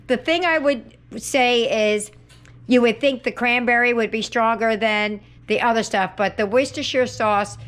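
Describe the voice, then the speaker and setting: A woman's voice: mid-range voice, a bit bright. A woman hosting a home cooking video, chatting casually in her kitchen and at the family table, sometimes talking with her mouth full. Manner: chatty and homey, talks while eating.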